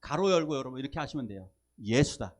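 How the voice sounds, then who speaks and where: Animated man preaching a sermon. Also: medium pitch, fast. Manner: lively, asks the congregation questions and jokes with them. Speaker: pastor. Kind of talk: Sunday sermon. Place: church service.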